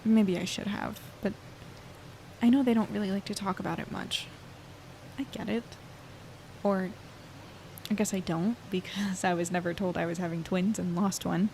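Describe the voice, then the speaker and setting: A woman's voice: mid-range voice, fairly even intonation, moderate pace, vocal fry, long pauses, a little mellow, slight background noise, lightly acted, poor audio. A woman in her twenties playing an earnest young reporter in an audio drama, conversational and hesitant as she thinks aloud. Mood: reflective. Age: 20s. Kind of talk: audio drama, naturalistic monologue and dialogue.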